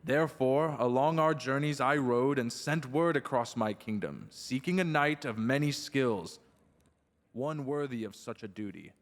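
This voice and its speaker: Long hall reverb, man playing stern fantasy king, middle-aged, medium pitch, formal archaic diction, solemn, commanding. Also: unhurried, close to an everyday voice. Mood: proclaiming. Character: stern, commanding medieval king, protective father. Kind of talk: fantasy audio roleplay acting.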